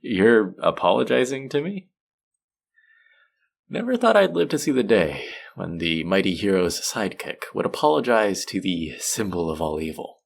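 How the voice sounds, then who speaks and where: A man playing a suave, manipulative supervillain in an intimate audio roleplay, measured and teasing, softly menacing yet tender toward his captive. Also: very animated, full character voice. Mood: amused, soothing. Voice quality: low, creaky voice.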